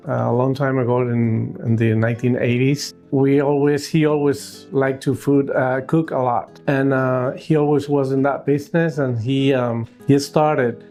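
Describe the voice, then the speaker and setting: A man in his sixties from Cuba with a Cuban accent and Spanish as his first language, answering interview questions casually and haltingly as a food truck owner. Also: mid-range voice, a little mellow. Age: 60s. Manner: halting, searching for words.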